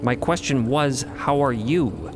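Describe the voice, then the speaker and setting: A man's voice: medium pitch, music in the background, close to an everyday voice. Man voicing a serene, formal guardian being. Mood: gently formal. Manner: formal, measured, ornate phrasing. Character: serene, courtly masked guardian being, solemn and benevolent. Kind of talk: audio drama character acting.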